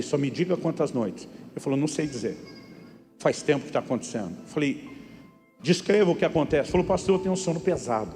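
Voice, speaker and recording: A man's voice: fairly high pitch, dark tone, big-room sound. A middle-aged Brazilian man preaching a sermon as a pastor, telling stories and acting out conversations with emphatic peaks. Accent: Brazilian Portuguese. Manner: storytelling, acts out dialogue, rising to emphatic peaks.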